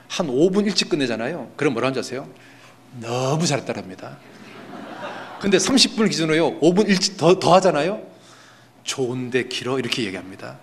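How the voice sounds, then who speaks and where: A man's voice: fairly high pitch, vocal fry, slight background noise. A male pastor preaching a sermon in a church, telling a story that rises to emphatic, impassioned peaks. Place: church sanctuary.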